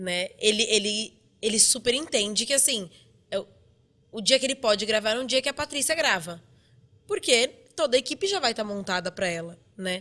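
A woman speaks at a fairly quick pace with a bright, sharp tone and lively intonation. She leaves long, frequent pauses. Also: fairly high pitch for a woman. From Brazil. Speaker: TV producer and editor; podcast guest. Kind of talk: casual chat. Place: studio. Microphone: studio mic.

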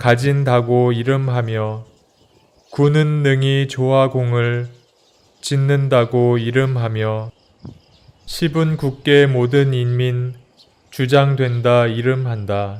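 A man's medium-pitched voice, very slow, fairly even in intonation, with long, frequent pauses. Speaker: scripture reader. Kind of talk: scripture reading.

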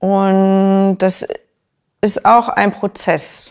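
A female speaker over a quiet background. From Berlin, Germany. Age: 50s. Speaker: engineer, recovering alcoholic sharing her story. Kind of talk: testimony. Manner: hesitant, many fillers. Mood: calm, reflective. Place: home room. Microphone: lapel.

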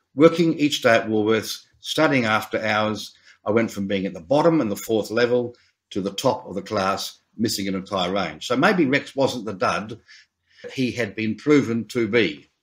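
Lively intonation marks this speaker's Australian accent, heard over a quiet background. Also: man, moderate pace. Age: 70s. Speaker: leadership consultant and trainer. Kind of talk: interview. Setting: video call. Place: home room. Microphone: webcam.

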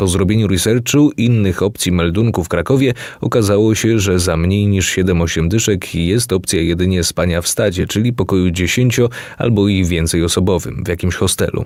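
A man with a very deep, low pitch speaks at a fairly quick pace. His loudness stays very even, and his pitch varies in an ordinary way. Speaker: YouTuber. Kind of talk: reading aloud.

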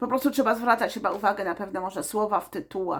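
The speaker is a woman with a medium pitch. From Poland. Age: 50s. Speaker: vlogger. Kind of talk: casual monologue. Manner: halting.

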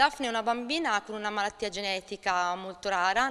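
Her tone bright and sharp, a woman speaks fairly quickly at a fairly high pitch with fairly even intonation. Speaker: mother of a sick child. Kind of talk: testimony. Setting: stage with audience. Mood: emotional, earnest. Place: hall. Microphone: podium.

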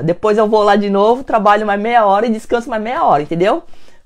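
A fairly high-pitched woman's voice against a quiet background. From Brazil, São Paulo. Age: 40s. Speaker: time management consultant; time management coach. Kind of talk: live stream talk; live stream talk, advice. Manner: hesitant with fillers. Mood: warm, friendly. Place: home room. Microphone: lapel.

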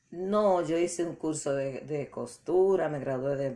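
Very deep, low pitch from a woman, with ordinary pitch variation at a very slow pace. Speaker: retired schoolteacher, host's mother. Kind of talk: casual interview, life story. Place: home room. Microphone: phone near.

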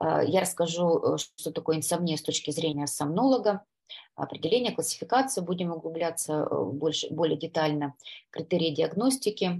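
Speaking at a moderate pace, a woman has a fairly low pitch. Her voice is somewhat breathy. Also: lively intonation. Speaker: neurologist and sleep doctor. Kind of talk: webinar lecture; course promotion. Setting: live stream with slides. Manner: hesitant, many fillers.

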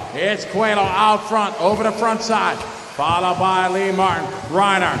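A man's high voice at a moderate pace, with audible room echo and light background noise. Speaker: race commentator. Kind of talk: sports commentary. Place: hall.

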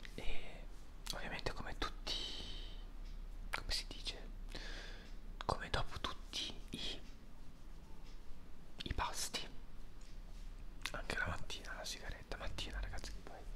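A man at a moderate pace, with long, frequent pauses and noticeable background noise. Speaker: ASMR creator. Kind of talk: ASMR whispering, casual talk to camera. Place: kitchen. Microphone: lapel.

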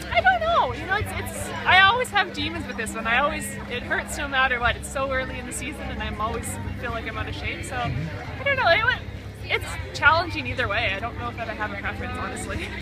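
Over clear music in the background, a woman talks at a very fast pace with a dry sound and no echo. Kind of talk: interview answer. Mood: cheerful, laughing. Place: stadium. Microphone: phone near.

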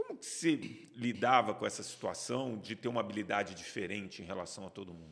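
With a fairly low pitch and ordinary pitch variation, a man talks at a fairly quick pace, his loudness swinging widely and his speech having hardly any pauses. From Brazil. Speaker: radio and video host on wellness; radio, video host on wellness. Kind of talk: interview. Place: studio. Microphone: studio mic.

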